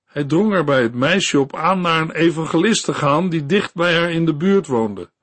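A man narrating a Christian story in a calm, measured reading voice. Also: fairly high pitch, dry recording. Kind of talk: read-aloud Christian story.

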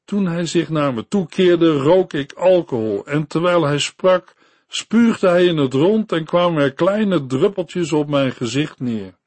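A man reading a devotional story and sermon for a radio Bible program, in a slow, earnest storytelling manner. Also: a little high, lively intonation, darkish tone, no echo.

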